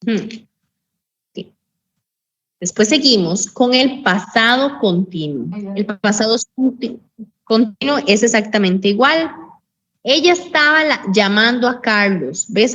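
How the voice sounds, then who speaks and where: A woman teaching an English grammar lesson in an online class, patiently repeating examples and saying English phrases slowly and carefully. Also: on the high side, lively intonation, fairly bright tone. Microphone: computer mic on a video call. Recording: dull lo-fi call audio, faint noise.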